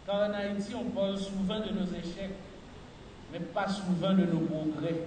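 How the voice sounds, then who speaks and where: A middle-aged man gives a formal, measured speech as a health official at a podium mic in a large hall. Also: high voice, level tone, a little mellow. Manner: measured, deliberate official delivery. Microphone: podium mic on a stand. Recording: echoey hall, far from the mic, noisy.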